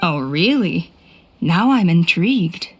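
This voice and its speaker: A woman's voice: on the low side, animated, slow pace, husky, exaggerated voice. A woman playing a self-assured, hospitable tribal elder in a video game, composed and authoritative. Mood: composed, businesslike. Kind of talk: video game character acting.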